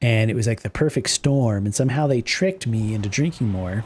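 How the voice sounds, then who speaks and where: At a very fast pace, a man speaks in a somewhat breathy voice with lively intonation. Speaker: livestreamer. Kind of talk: casual livestream chat reading viewer comments.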